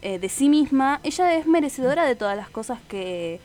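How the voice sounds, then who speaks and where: A woman's voice: high-pitched, animated, moderate pace, a little mellow. A woman hosting a radio show, chatting casually with many fillers and self-corrections. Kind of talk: casual radio chat about a TV series.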